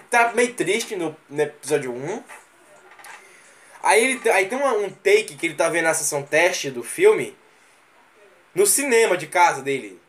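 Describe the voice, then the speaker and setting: Brazilian guy ranting on his stream, cursing a lot, kinda high-pitched. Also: slight background noise. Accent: Brazilian Portuguese. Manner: profane, mocking, sound effects and mimicry. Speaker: livestream host. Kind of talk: casual rant.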